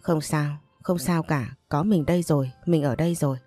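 A woman reading an audiobook and voicing a young female friend who is protective and quick to anger on her friend's behalf. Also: low-pitched, dark tone, dry recording, faint music behind. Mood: soothing. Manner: consoling, then outraged.

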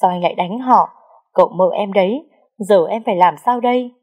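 A woman's voice: medium pitch, darkish tone, natural voice. Woman voicing a weeping frail young girl. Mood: tearful pleading. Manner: tearful, pleading, slow. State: crying.

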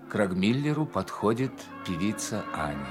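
A man's voice: on the low side, sing-song, moderate pace, over loud music. A man narrating the stage directions of a radio play in a matter-of-fact tone.

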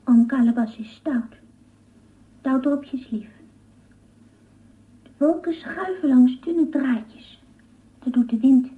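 A woman's voice: high voice, takes it slowly, long pauses. A woman voicing a whimsical, inquisitive little girl with childlike prattle in a radio play. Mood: dreamy, whimsical. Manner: childlike prattle, endless naive questions. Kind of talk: Dutch radio play acting. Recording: muffled lo-fi old radio recording.

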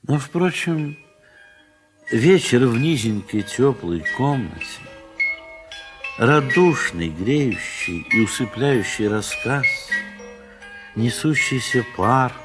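An actor as a reflective, affectionate literary narrator in an audio drama. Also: male voice, mid-range voice, sing-song, slow pace, pauses often, music in the background. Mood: fond, reflective. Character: reflective, affectionate male literary narrator recalling old friends.

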